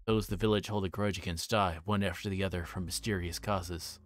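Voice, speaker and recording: Male game streamer, lowish pitch, casual and hesitant, reading story text over faint music. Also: fairly even intonation, brisk, a little hiss or hum. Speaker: livestreamer. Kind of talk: casual livestream chat and reading visual novel text aloud.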